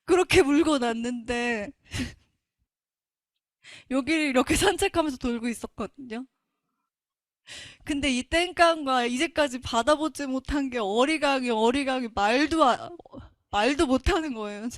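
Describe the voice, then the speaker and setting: A woman's voice: high voice, moderate pace, no room sound, clean studio sound. A woman giving an earnest, emotional Christian testimony. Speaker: testimony speaker.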